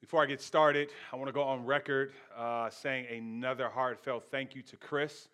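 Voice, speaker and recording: A man preaching as a pastor, telling stories in deliberate short phrases with pauses for emphasis. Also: medium pitch, fairly even intonation, fairly bright tone, clear, resonant tone. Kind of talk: sermon with storytelling.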